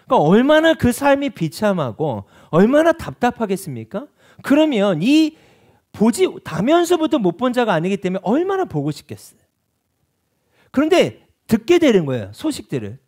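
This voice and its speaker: A man's voice: very high voice, wildly swooping pitch, moderate pace, darkish tone. A man preaching a sermon as pastor at a church evening prayer meeting, asking the congregation repeated rhetorical questions.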